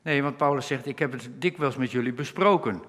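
A man delivers an earnest sermon, explaining Bible passages line by line. His voice sits in a middle register and carries a long reverb from the hall. He slows down to quote scripture. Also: mid-range voice, a bit bright. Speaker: preacher.

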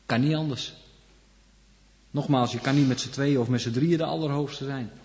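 A man's voice: mid-range voice, steady tone, normal speed, darkish tone, a little hiss or hum. A man preaching a sermon, walking his listeners through Bible verses and tossing in frequent little asides to check they follow. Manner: explains scripture, leans on frequent "hè" asides. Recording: long hall reverb, dull lo-fi sound.

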